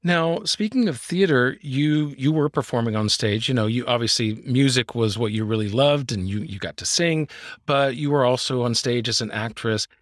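A man hosting a podcast, asking a guest about her career in a measured, curious way. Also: mid-range voice, no echo, studio quality. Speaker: podcast host. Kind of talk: interview questions.

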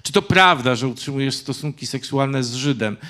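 Man reading as a cold old grandfather, stern, clipped drawn-out words, menacing, literary reading, medium pitch. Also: fairly even intonation, lightly acted. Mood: stern interrogation.

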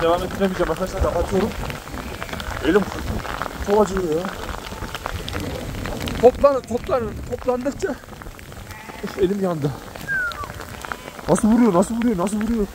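Man, shepherd, outdoor phone vlog, calls to his flock, heavy hail and rain noise. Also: high voice. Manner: exclaiming and talking to the animals. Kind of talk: vlog narration to camera while herding.

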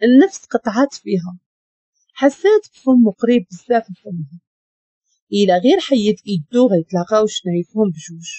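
A woman with a Moroccan accent narrating a dramatic story in an expressive reading. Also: mid-range voice, brisk, husky, no echo. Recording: dull lo-fi dry recording.

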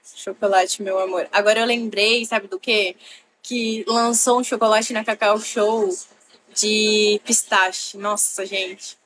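A woman's voice: medium pitch, steady tone, takes it slowly, a bit bright, slight background noise. A young woman hosting a casual live stream from her bedroom, chatting with viewers and thanking them by name. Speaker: livestream host. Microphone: laptop.

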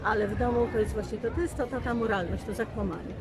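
A woman's voice: a little high, fast. A woman in her sixties, an actress giving a casual interview, emphatic and repeating key words. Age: 60s. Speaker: stage actress being interviewed. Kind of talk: casual spontaneous interview talk. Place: outdoors in a town street. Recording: outdoor urban recording with crowd and traffic.

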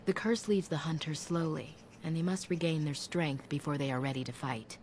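An actress playing a solemn female elf keeper in a fantasy video game, speaking in a measured, formal, grave way. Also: sits low, darkish tone, slight background noise, lightly acted. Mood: calm, grave. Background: game music.

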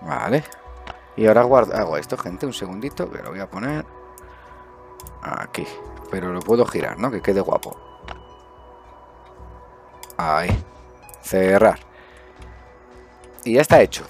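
Male gaming host, middle-aged, Spain accent, lowish voice, chatty think-aloud commentary over faint music. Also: animated, measured pace, creaky, long pauses. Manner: chatty, thinking aloud with muttered asides and self-questions. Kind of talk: casual improvised gameplay commentary. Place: indoors at a desk, webcam view.

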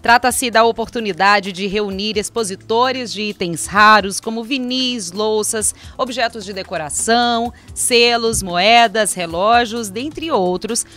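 A woman's voice: mid-range voice, measured pace, few pauses, bright, forceful tone, soft background music. A young woman reading a city news bulletin in a small radio studio, adding chatty asides. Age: young adult. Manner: reads from paper with chatty asides. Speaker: news presenter. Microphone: studio mic on desk.

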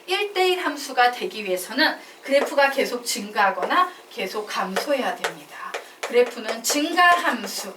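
Lively woman teaching math in echoey room. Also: fairly high pitch. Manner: lively, drills students with call-and-response chanting; mixes casual and polite speech. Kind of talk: classroom math lecture. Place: classroom. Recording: echoey classroom, far from mic, noisy.

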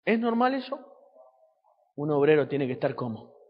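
Male pastor, high voice, sermon with rhetorical questions, muffled recording in an echoey church hall. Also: big pitch swings, moderate pace. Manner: preaching with rhetorical questions to the congregation.

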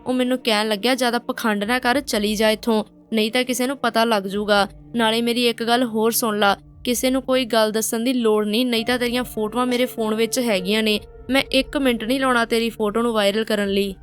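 A woman's voice: on the high side, fairly even intonation, brisk, few pauses. A woman narrating a painful first-person story in a plain, direct way.

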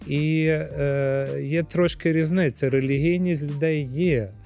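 A slightly high, somewhat slow and creaky voice, set against soft background music, comes from a forties-aged Ukrainian priest answering interview questions on a lapel mic. He muses with hesitant fillers and gets lively acting out scenes, first in a library studio, later in an outdoor courtyard.

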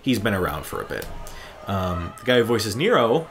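A male gaming commentary host rambles fan-style through casual, explanatory chat while game cutscenes play with their music behind him. His voice is fairly low and very animated, moving at a moderate pace.

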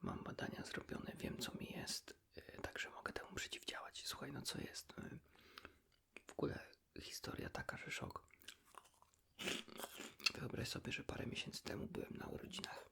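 Whispering man, breathy and creaky. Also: a little high, huge pitch swings, moderate pace, pauses often, sharp tone. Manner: whispering, confiding, informal storytelling. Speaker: ASMR video host. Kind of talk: ASMR, whispered casual chat with the listener.

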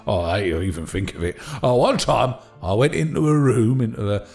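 A man's voice: medium pitch, animated, a little fast, vocal fry, darkish tone, faint music behind. An actor playing a folksy, good-natured older working man, who rambles and stammers in an audio drama. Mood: animated, indignant.

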